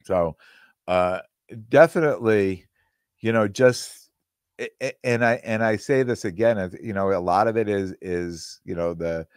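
A middle-aged man hosting his solo podcast, talking in a rambling way with restarts and repeated words, his voice a little hoarse. He speaks close into a studio mic on a boom arm. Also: unhurried, dry recording. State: slightly hoarse, losing his voice. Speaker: podcast host. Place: small room with green-screen backdrop. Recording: dry close-miked sound.

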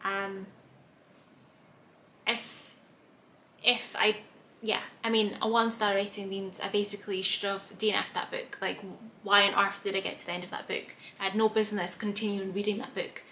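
A young woman with a slightly hoarse voice, chatting to camera as a book vlogger in a small room, rambling with lots of fillers. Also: medium pitch, flat delivery, moderate pace, sharp tone, slight background noise. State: slightly hoarse, clearing throat. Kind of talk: casual chat to camera. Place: small room with bookshelves, indoors.

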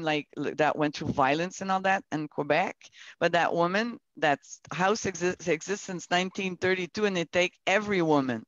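A woman speaks as a panelist on a video call, earnest and searching for words, often restarting her sentences. Her voice is smooth and clear, and the sound is dry, close and a little muffled. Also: low-pitched, no echo. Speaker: business panelist from a bank.

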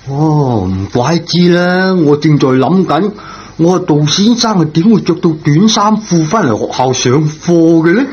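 An actor playing a good-natured but scolding school caretaker in a radio drama, colloquial and exclamatory. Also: male voice, fairly high pitch, animated, moderate pace, hardly any pauses, darkish tone, slightly rough. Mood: surprised, obliging. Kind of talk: Cantonese radio drama acting. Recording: dull, noisy old radio recording.

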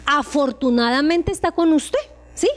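A woman's voice: sits high, measured pace. A Colombian woman giving an informal talk on emotional support to tutors, asking her listeners direct questions and acting out short dialogues. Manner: acts out short dialogues in changed voices.

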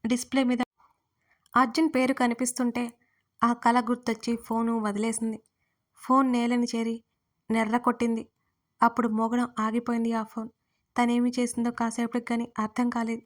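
Woman reading a love story aloud, highish voice, pretty flat and steady. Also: normal speed, long pauses. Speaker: narrator. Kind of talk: audio story narration.

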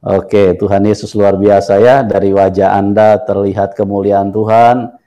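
A man's voice: fairly low pitch, flat delivery, unhurried, mellow. A middle-aged man, hosting a testimony interview as a pastor in an exhortatory way, repeating phrases for emphasis. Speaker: host, pastor. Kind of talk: testimony interview, preacherly talk. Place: indoor room, seated, on a video call.

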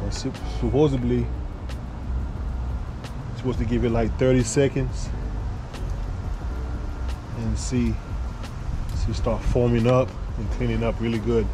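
A man's voice: medium pitch, level tone, unhurried, long pauses. A man vlogging casually while he works outdoors, with a laid-back, colloquial way of thinking aloud. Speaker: pressure washing business owner and vlogger. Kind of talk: casual talk to camera while working. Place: outdoors beside a work truck. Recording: noisy outdoor recording with vehicle ambience.

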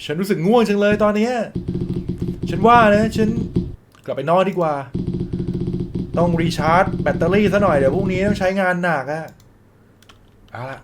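Heavy background noise surrounds this gaming YouTuber's high, lively voice as he plays a horror game fairly quickly, pausing often. Joking crudely, he voices the in-game dialogue and lets out yelps whenever something startles him.

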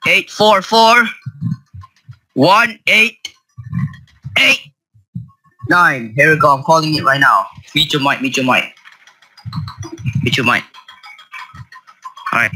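A man with a very bright, piercing voice makes prank calls over an online voice chat. His delivery is slow and halting, jumping around in pitch, with crude swearing throughout. Faint music plays behind him. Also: expressive, husky, rough recording. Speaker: prank caller. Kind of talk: casual prank calling on a group voice chat. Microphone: computer mic on an online voice call.

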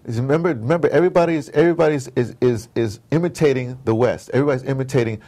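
An audio drama producer being interviewed talks in an animated, emphatic and digressive way, repeating phrases to drive his points home. His voice is medium-pitched and warm, and he speaks very fast.

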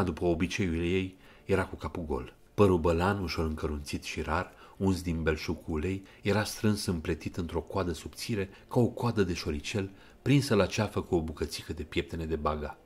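A man narrating an audiobook retelling of a novel in an even, measured way, quoting passages. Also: deep voice, slightly rough.

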